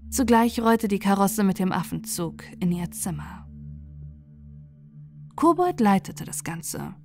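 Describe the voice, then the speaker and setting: A woman narrating a fairy tale for falling asleep, reading softly and gently. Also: medium pitch, big pitch swings. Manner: soft, gentle, unhurried reading. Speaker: audiobook narrator. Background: faint music.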